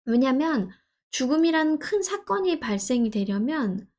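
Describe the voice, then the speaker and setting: A woman giving gentle, soothing advice, speaking softly and letting her phrases trail off quietly. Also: high voice, very animated, unhurried. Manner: gentle, soothing, acts out inner speech in quotes. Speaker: counselor answering a viewer's question. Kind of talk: advice talk to camera.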